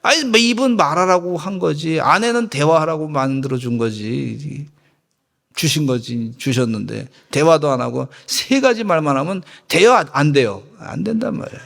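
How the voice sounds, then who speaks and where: Lively, gravelly male pastor preaching. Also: on the high side, moderate pace. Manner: lively, joking, has congregation repeat phrases. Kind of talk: sermon. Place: church sanctuary. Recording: echoey church hall.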